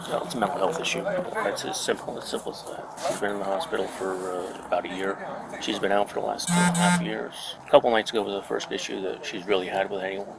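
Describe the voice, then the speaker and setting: A man talking quietly and hesitantly to a police officer about his wife. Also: lowish voice, quick pace, creaky, over a noisy crowd. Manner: subdued, hesitant. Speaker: husband speaking to police.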